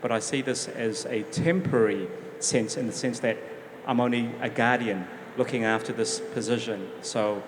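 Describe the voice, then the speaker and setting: A middle-aged man with a New Zealand accent, introducing himself on a conference panel in a measured way with small restarts. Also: mid-range voice, fairly even intonation. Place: large conference hall. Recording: echoey hall, background noise.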